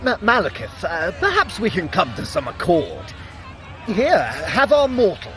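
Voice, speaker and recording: An actor playing a sly, self-serving trickster god in an audio drama, wry and wheedling. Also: male voice, sits high, wildly swooping pitch, unhurried, music in the background, crowd noise, full character voice. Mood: nervous bargaining. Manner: wry, wheedling, hesitant when threatened. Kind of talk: scripted audio drama acting.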